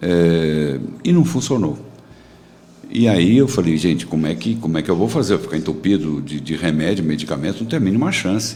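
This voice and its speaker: Lively intonation at a fairly quick pace, with audible room echo. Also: man, very deep, low pitch for a man. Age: 70s. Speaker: businessman and podcast creator. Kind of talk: interview.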